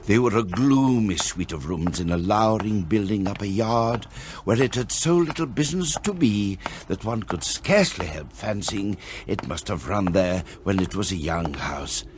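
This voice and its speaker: Expressive low-voiced storyteller. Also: male voice, noisy background. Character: wry, vivid male storyteller narrating a Victorian tale. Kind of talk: dramatised scripted narration. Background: music.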